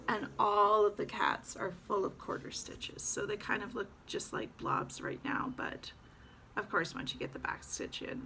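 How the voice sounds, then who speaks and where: A woman talks through her stitching projects in a relaxed, rambling way, full of little fillers. Her voice has a gravelly fry at the edges, and a faint hiss sits under the recording. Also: medium pitch. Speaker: cross-stitch vlogger. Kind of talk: casual show-and-tell chat.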